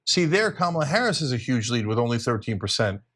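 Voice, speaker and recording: A man's voice: medium pitch, sing-song, fast, fairly bright tone. A middle-aged man hosting live election night coverage, explaining the early results to viewers with emphasis. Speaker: show host.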